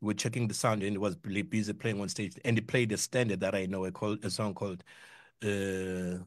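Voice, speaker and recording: A man's voice: fairly low pitch, level tone, brisk, no room sound, clean studio sound. A middle-aged man with a South African accent hosting a casual radio music interview, rambling and repeating words for emphasis. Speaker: community radio music show host.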